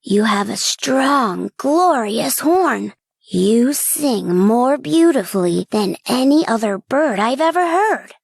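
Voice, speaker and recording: A woman voicing a kind, gentle male crow with a raspy voice in a children's storybook reading. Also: fairly high pitch, animated, slow pace, no room sound, full character voice.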